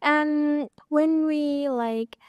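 Young Thai-accented woman, podcast guest, higher voice, restarts often, very dry mic. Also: fairly even intonation, extremely slow, no room sound, dull audio. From Thailand. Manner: hesitant, many restarts and fillers. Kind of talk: casual podcast chat.

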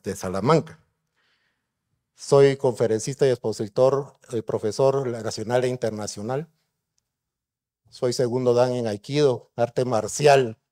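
Here a neurosurgeon from Guatemala, middle-aged, addresses a conference in a mid-range voice with a dark tone. His lecture is conversational, peppered with rhetorical questions for the audience.

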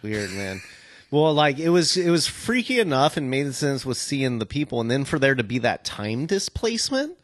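A man's voice: mid-range voice, very animated, moderate pace, no echo. Casual man on a podcast, dry recording. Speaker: podcast co-host. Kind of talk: casual chat with swearing.

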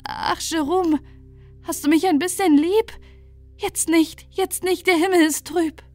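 Desperate young noble lady voiced by a woman, high and pleading, dry studio. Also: steady tone, a little slow, dry recording, soft background music.

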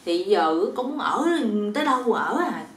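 A woman's voice: mid-range voice, very animated, normal speed, close to an everyday voice. A woman with a Southern Vietnamese accent voicing a gullible mother-in-law who exclaims and scolds in a raised, fussing voice. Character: gullible, fussy young-looking mother-in-law. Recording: roomy echo.

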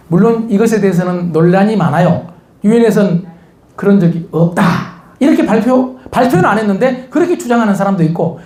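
High-voiced man lecturing in echoey hall. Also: a little mellow. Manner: teasing, questions the audience, jokes. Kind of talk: lively motivational lecture.

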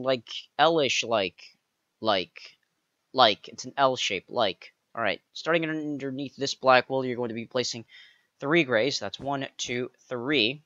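Bright-voiced man narrating a build tutorial. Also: mid-range voice, no echo, muffled recording. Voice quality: slightly raspy. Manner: playful, counts blocks aloud, jokey asides. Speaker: pixel art tutorial creator. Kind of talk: step-by-step game build tutorial.

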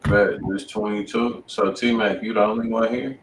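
A man with a low, flat voice co-hosts a casual music livestream from a home studio, calmly and matter-of-factly calling out who's next in the queue at normal speed. He sits far back from the mic in a roomy space, with a faint hum in the background.

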